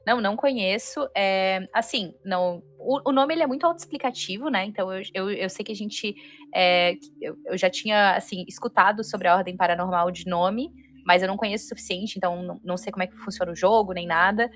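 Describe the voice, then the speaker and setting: A woman's voice: medium pitch, fairly quick, fairly bright tone. A Brazilian woman giving her opinion in casual panel chat, informal and emphatic, repeating words for stress. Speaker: panelist on a reaction show. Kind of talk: casual spoken review chat. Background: music.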